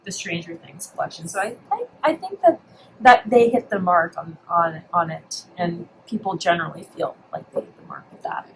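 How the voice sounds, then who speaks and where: A woman guest in a casual makeup chat, agreeable and soft-spoken, often answering with a quick yeah. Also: on the low side, big pitch swings, creaky, slight background noise, low-quality recording.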